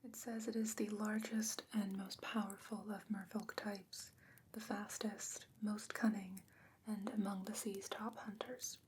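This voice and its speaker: A woman playing a gentle, patient fantasy scholar who defends merfolk, speaking in a hushed, measured, explanatory way in a whispered ASMR roleplay. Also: medium pitch, little pitch movement, a little hiss or hum, lightly acted, poor audio. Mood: calm, studious.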